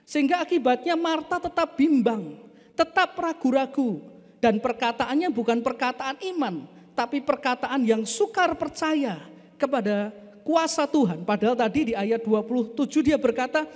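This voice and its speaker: A man preaching a sermon as pastor, emphatic and animated, repeatedly addressing the congregation directly. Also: very high-pitched, moderate pace. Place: church. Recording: echoey church hall.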